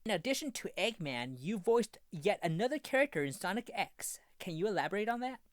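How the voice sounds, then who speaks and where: An interviewer asks questions at a middle pitch, keeping the prompts brief and friendly. The sound is close and dry. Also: sing-song, a little fast, dry recording.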